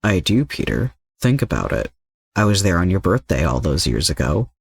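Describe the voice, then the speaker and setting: A man voicing a calm, manipulative older mercenary villain in an audio story, composed and coaxing. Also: low-pitched, moderate pace, vocal fry, slightly rough, dry recording, clean studio sound, full character voice.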